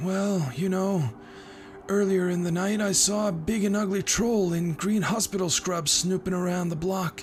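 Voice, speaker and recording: Over clear background music, a man puts on a croaky character voice pitched high. He keeps a moderate pace. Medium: actual play. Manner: suspicious, grumbling.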